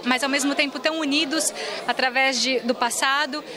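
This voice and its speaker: A woman's voice: sits high, fairly even intonation. Hesitant woman speaking in a crowd. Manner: hesitant, halting. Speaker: interviewee. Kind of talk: interview statement.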